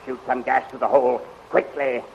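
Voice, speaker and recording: A dull, faintly noisy 1930s radio recording of a man playing an imperious villain general. He barks commands impatiently and theatrically at a middling pitch, like a serial bad guy. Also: flat delivery, normal speed, creaky, natural voice. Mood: eager, scheming. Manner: barking orders, theatrical.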